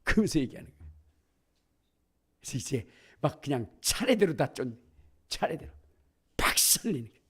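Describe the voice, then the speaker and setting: Husky, lively Korean pastor preaching. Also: male voice, mid-range voice, moderate pace, pauses often. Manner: animated storytelling, acting out voices, builds to shouts. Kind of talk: sermon.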